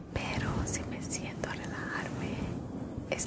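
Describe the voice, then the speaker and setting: Whispering at a fairly slow pace, a woman uses a gentle tone against noticeable background noise. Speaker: ASMR content creator. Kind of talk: ASMR whisper talk to camera. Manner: whispered, gentle.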